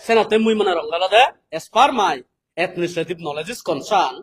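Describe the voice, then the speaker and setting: Male political speaker, South Asian accent, notably high-pitched, delivering a deliberate, explanatory public address. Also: a bit bright, breathy edge. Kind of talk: public address, reading English passages and explaining them.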